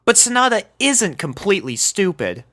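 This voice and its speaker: A woman's voice: medium pitch, big pitch swings, normal speed, fairly bright tone, voice pushed up. A woman voicing a confident, easygoing teenage girl in a story reading, in a self-assured manner. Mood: reassuring.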